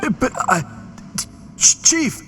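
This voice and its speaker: A man's voice: slow, pushed and bright, big-room sound, soft background music. A man playing an earnest, deferential young tribal priest in an anime game, polite, hesitant and easily flustered. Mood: flustered, apologetic.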